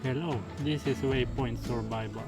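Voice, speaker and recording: A man's voice: medium pitch, normal speed, loud music behind the voice. A man co-hosting a vlog, chatting casually outdoors. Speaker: co-host of the vlog. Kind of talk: casual chat. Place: outdoors on a farm.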